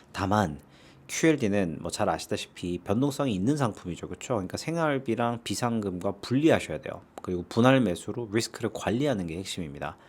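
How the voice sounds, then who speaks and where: A man with a sore throat, hosting an investing channel and answering viewer comments in a casual, conversational way, often adding rhetorical tag questions. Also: lowish voice.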